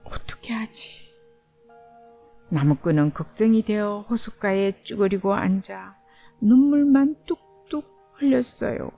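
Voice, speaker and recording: A woman's voice: medium pitch, a little slow, gravelly, warm tone, faint music behind. A woman storyteller narrating a bedtime storybook, reading expressively and simply as if to a toddler.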